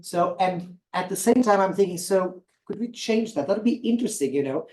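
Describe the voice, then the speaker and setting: Man, audience question at a lecture, hesitant, searching for words, fairly high voice, distant from mic. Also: lively intonation, moderate pace, darkish tone. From Portugal. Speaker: audience member asking the speaker a question. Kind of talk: question after an academic lecture. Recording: voice picked up from far off the mic.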